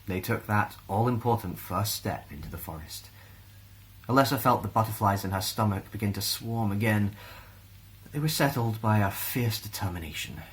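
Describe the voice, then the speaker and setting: Male storyteller, Scottish, low voice, gentle and expressive reading of children's fantasy. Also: moderate pace, low-quality recording. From Scotland.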